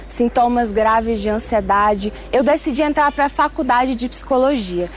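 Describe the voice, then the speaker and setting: Earnest young Swiss-born woman, soft music. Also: sits high. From Switzerland. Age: 20s. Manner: earnest, measured storytelling. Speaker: testimony speaker. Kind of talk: personal testimony.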